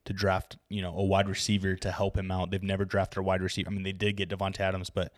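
A man's voice: sits low, monotone, quick pace. A man hosting a sports podcast with casual, joking, irreverent banter. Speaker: podcast host.

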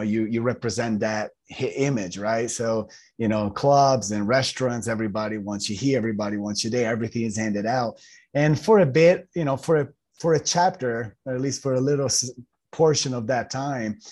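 This is a man from Italy with an Italian accent, speaking English rather than his first language. His pitch sits in the middle, and he tells his story in long, meandering runs. He pads it with fillers and frequent restarts. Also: darkish tone, slightly rough. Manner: rambling, many fillers and restarts. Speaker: guest, ultramarathoner. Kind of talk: casual interview storytelling.

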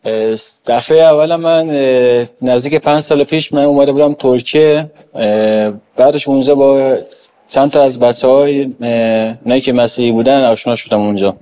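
A man in his twenties from Iranian Kurdistan, a baptism candidate, speaking haltingly with many hesitations. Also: medium pitch, dark tone, clear, resonant tone. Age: 20s.

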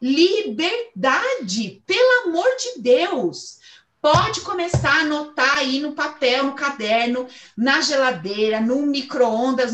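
A woman in her thirties with a Brazilian accent, giving a blunt, animated motivational talk and swearing freely. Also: high-pitched, reverberant. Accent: Brazilian Portuguese. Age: 30s. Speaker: host and coach.

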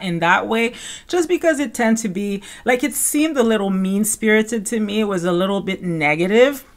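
A woman's voice: medium pitch, a bit bright. A woman with a Caribbean French accent hosting a podcast, giving casual, conversational gossip commentary. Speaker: podcast host.

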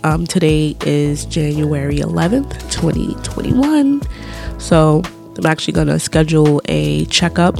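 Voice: medium pitch, a little slow, creaky, darkish tone, soft background music. Stuffy, congested podcast host talking candidly. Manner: rambling, candid, many fillers like "um" and "like". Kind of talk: casual personal podcast monologue.

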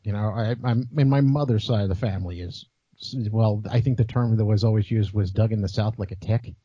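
American male co-host, husky and soft-toned, wry halting chat, slightly dull dry recording. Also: lowish voice, no echo. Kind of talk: casual chat.

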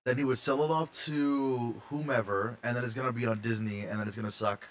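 A man in his early twenties with an ordinary mid-range voice, chatting casually with friends. He jokes a lot and calls everyone bro. His talk is loose and relaxed. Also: medium pitch, fairly quick. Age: 20s. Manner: joking, says bro a lot. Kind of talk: casual group chat.

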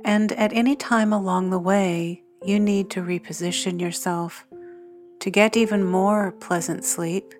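A woman guiding a sleep meditation in a soothing, hushed, measured manner with long pauses between phrases. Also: mid-range voice, fairly even intonation. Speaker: meditation guide, podcast host. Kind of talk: guided sleep meditation narration. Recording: music under the voice. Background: soft guitar and piano music.

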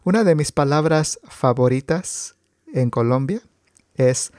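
A man's voice: mid-range voice, a little slow, a little mellow, no echo, clean studio sound. A Mexican man hosting a Spanish lesson, explaining words for learners and laughing easily. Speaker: podcast host and Spanish teacher. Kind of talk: slow teaching conversation for learners.

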